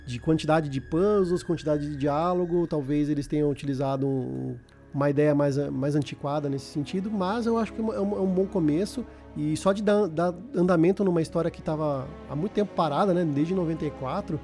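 Casual video game talk comes from a Brazilian podcast host whose warm, steady voice runs on the high side at a brisk clip. Faint music plays underneath. He speaks in slang and keeps repeating words while working out what to say.

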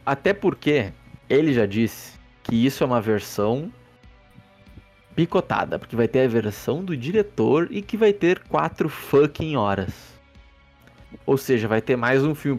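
Speaking at a medium pitch with a slightly mellow tone, a Brazilian Portuguese-accented man hosts a casual movie review podcast. His take is sarcastic and profane, and he rambles and restarts over faint background music.

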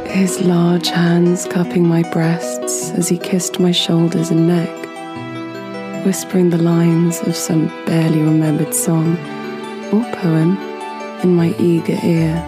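An actress playing a wistful, neglected woman who narrates her fading romance in a measured, intimate, literary way. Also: on the low side, flat delivery. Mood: wistful, reflective. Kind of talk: literary audio drama monologue and dialogue. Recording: music under the voice. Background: music.

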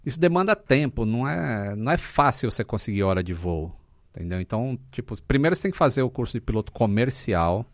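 Relaxed Brazilian man in his fifties. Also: medium pitch, fast, no echo, studio quality. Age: 50s. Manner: relaxed storytelling with fillers. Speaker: podcast guest. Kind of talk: casual chat.

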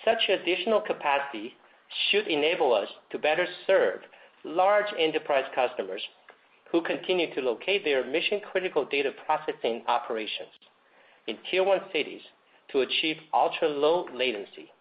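A man in the role of a company executive, reading a scripted earnings presentation in a formal, measured way. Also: on the high side, lively intonation. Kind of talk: scripted earnings call presentation, read aloud. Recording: dull lo-fi conference call audio.

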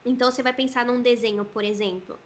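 A woman's voice: a little high, steady tone, fast talker. A Brazilian woman who works as a voice actress, explaining her craft thoughtfully in an interview. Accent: Brazilian Portuguese.

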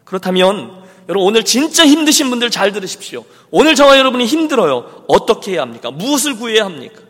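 A man's voice: sits high, big pitch swings, quick pace, fairly bright tone, breathy edge. A man preaching a Sunday sermon as senior pastor, emphatic and speaking straight to the congregation. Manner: emphatic, keeps addressing the congregation directly. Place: church sanctuary. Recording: long reverb of a large hall.

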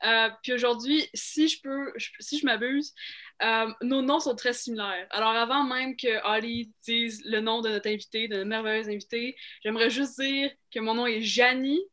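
Québécoise woman, slightly high voice. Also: steady tone, normal speed, a bit bright. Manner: hesitant, many restarts and fillers, laughs easily. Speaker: podcast co-host. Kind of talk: casual podcast chat.

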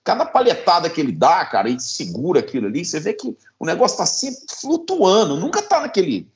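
A man in casual conversation about guitars, animated and swearing, often restarting his sentences. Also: high voice, a little fast. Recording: dull lo-fi sound.

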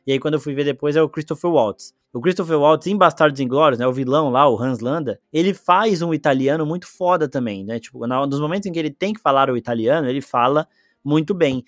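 A young Brazilian man hosting a podcast, chatting casually and excitedly about a film, full of slang and exclamations. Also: on the high side, no echo, studio quality. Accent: Brazilian Portuguese. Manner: animated, slangy, exclaims often. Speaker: podcast host. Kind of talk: casual film review chat.

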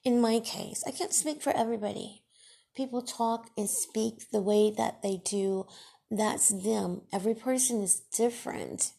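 A woman podcast host and radio broadcaster with Farsi as her first language, talking in a deliberate, emphatic monologue that scolds her critics. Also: fairly high pitch, vocal fry, dark tone, husky.

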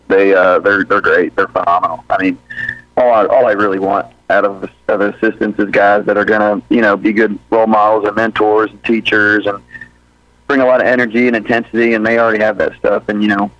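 Laid-back low-voiced coach on radio. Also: male voice, a bit bright, dry recording. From Birmingham, Alabama. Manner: easygoing, rambling, many fillers and restarts. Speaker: high school football head coach. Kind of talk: interview on a sports radio show. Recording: dull lo-fi radio audio.

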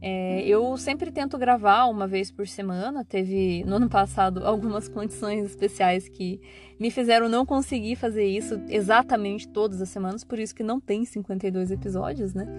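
A woman's voice: mid-range voice, a little mellow. A Brazilian woman talking casually as a podcast host and teacher, rambling with many fillers and restarts. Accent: Brazilian Portuguese. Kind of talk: casual solo podcast chat.

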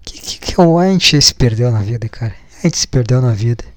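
A man's voice: mid-range voice, lively intonation, fairly quick, no room sound. A man giving casual reaction commentary, mocking and exasperated, swearing often. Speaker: video commentator.

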